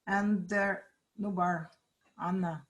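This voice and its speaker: A woman presenting at a school gathering, giving a formal welcome with many halting restarts and fillers. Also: on the low side, fairly even intonation, poor audio. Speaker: event presenter.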